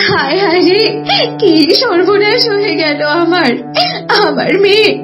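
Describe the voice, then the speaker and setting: A woman voicing a devoted mother deer in a children's cartoon, with an expressive, emotive delivery. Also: very high voice, measured pace, music in the background. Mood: distraught.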